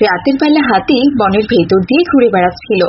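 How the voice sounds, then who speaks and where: A woman's voice: medium pitch, lively intonation, a little fast. A woman reading scripted narration for a cartoon animal tale. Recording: muffled audio with faint noise.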